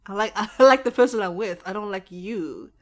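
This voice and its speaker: A woman's voice: medium pitch, animated, brisk. A woman co-hosting a podcast in casual chat, blunt and profane, joking a lot. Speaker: podcast co-host. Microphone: pop filter studio mic.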